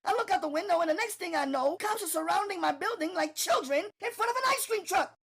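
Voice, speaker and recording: A man voicing a tough, streetwise young woman who speaks fast and emphatically, her pitch climbing as she talks. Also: sing-song, a bit bright. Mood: frantic. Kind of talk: audiobook character voice.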